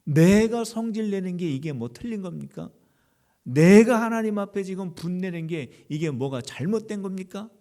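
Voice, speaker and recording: A man's voice: fairly low pitch, level tone, quick pace, hardly any pauses, lightly acted. A preacher acting as a whining, fed-up male prophet. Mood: exasperated. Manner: whining, pleading loudly. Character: exasperated complaining male prophet.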